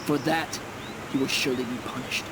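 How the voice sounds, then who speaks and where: A man's voice: medium pitch, steady tone, brisk, very noisy, lightly acted. An actor playing a proud, scornful Native American shaman in a western video game, with formal, solemn phrasing. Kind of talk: dramatic video game acting. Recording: music behind the voice. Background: music.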